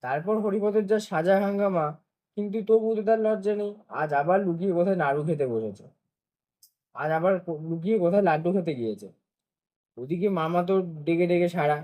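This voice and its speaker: Man, storyteller, high voice, expressive, children's cartoon narration. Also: fairly quick.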